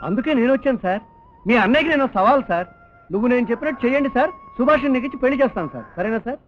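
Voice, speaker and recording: A man in a film scene, teasing and full of wordplay, giving lines in quick comic dialogue. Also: very high voice, animated, a little hiss or hum. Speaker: scheming elderly guardian in a comedy film. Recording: dull lo-fi film audio with music.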